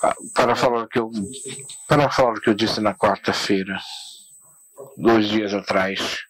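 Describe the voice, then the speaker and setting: A middle-aged man giving an academic lecture as guest speaker, halting and often restarting words as he searches for phrasing. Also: fairly low pitch, fairly even intonation, a bit bright. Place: large lecture hall. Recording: echoey hall from a room mic.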